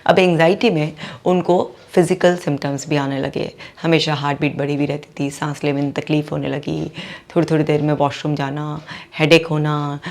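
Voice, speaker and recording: A woman's voice: sits low, flat delivery, moderate pace. A woman psychologist explaining a patient's case in a video lesson, voicing the patient's thoughts and repeating key points. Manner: explains with quoted inner thoughts and repetition.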